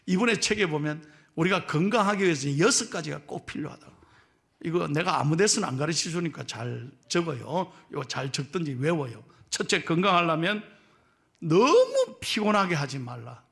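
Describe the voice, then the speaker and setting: A middle-aged male pastor with a Gyeongsang accent, preaching a sermon in a joking, lively way and teasing his congregation. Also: sits high, vocal fry. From Gyeongsang region of Korea. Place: church sanctuary.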